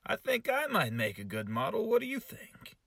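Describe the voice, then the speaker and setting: A man's voice: high voice, wildly swooping pitch, normal speed, creaky, sharp tone, dry recording. A man hosting a comedy podcast, bantering with a guest in a sarcastic, mock-insulting way. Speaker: podcast host.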